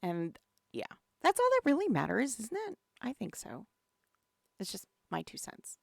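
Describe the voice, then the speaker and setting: A woman's voice: fairly high pitch, unhurried, vocal fry, no room sound. A woman with a cold, hosting a live game stream as community manager, chatting casually with lots of fillers and greeting viewers. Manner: chatty and relaxed, many fillers, greets chat. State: has a cold.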